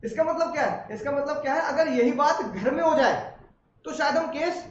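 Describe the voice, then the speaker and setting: A man with a very high voice lectures a class and tells a lively story, laughing between lines and acting out the parts. The sound comes from a distance and is muffled, in an echoey room with noise behind it. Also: fairly quick. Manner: animated, laughing, acts out family scenes. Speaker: teacher.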